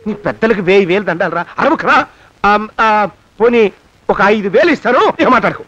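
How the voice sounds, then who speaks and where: Blustering, haggling miser. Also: male voice, high voice, animated, brisk, a bit bright, dull audio. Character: miserly, jittery male landlord being blackmailed. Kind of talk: film comedy dialogue.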